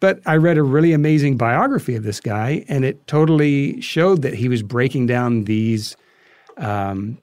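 A man being interviewed as a guest, telling anecdotes conversationally and haltingly as he thinks aloud. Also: mid-range voice, lively intonation, a little mellow, dry recording, clean studio sound.

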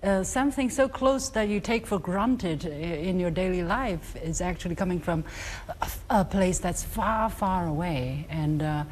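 A woman hosting a talk show interview, lively and quick to marvel and interject. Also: fairly low pitch, a little hiss or hum. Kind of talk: hosted interview conversation.

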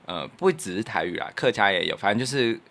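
A man's voice: lowish voice, fast talker, creaky. A man with a Taiwanese Mandarin accent chatting casually and jokingly as a podcast co-host. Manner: animated, joking, teasing. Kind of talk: casual bantering couple chat.

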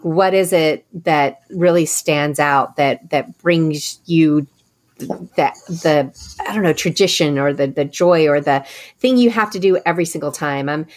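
Low-voiced woman podcast co-host. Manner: rambling, restarts often, curious questions to listeners. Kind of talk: casual podcast chat.

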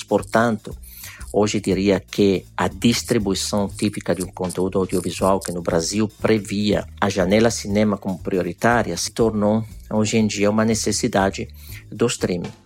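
A man with an Italian accent giving a formal, measured prepared commentary as a guest producer. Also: on the low side. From Italy. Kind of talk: prepared spoken commentary in Portuguese.

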